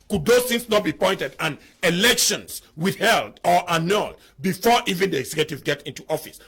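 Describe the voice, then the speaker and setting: A man's voice: high voice, gravelly, fairly bright tone, husky. A man, a panel guest arguing a point in a heated debate with pressing rhetorical questions.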